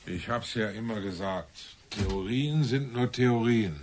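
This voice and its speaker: An actor playing a theatrical police commissioner who reasons deliberately and emphatically in a German radio crime drama. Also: male voice, on the low side, darkish tone, a little hiss or hum, natural voice. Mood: brisk. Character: male police commissioner, theorizing, theatrical, probing.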